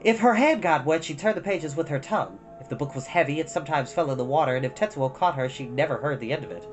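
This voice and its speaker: An expressive, informal storyteller reading a children's book aloud, with casual asides. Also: medium pitch, fast, faint music behind. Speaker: storyteller and host.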